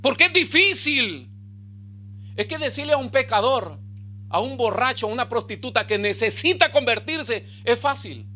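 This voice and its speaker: A male pastor, preaching a sermon with bursts of emphasis and quiet low asides. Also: lively intonation, moderate pace.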